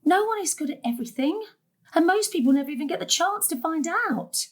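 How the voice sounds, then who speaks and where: A principled mother in a stage drama, worn to exasperation by her family. Her voice is high and swings widely, firm and emphatic. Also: lively intonation, brisk. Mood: reassuring.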